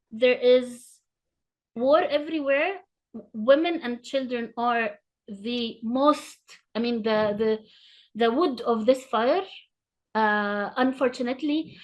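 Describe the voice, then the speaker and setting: A woman panelist speaking off the cuff, hesitant and full of fillers yet impassioned. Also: fairly high pitch. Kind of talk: unscripted panel remarks.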